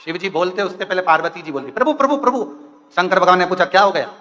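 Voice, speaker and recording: A man's voice: high-pitched, rapid-fire, muffled recording. A man preaching a devotional Hindu katha, acting out the figures' dialogue and breaking into song. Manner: animated, acts out dialogue, breaks into bhajan singing. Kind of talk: devotional storytelling sermon with song. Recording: long hall reverb, faint music.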